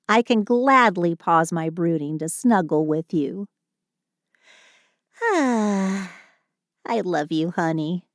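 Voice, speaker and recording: A woman's voice: lowish voice, no room sound, clean studio sound. A woman playing a short, sulky but affectionate Christmas elf in an intimate audio roleplay, with dramatic sighing complaints and fond endearments. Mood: tender.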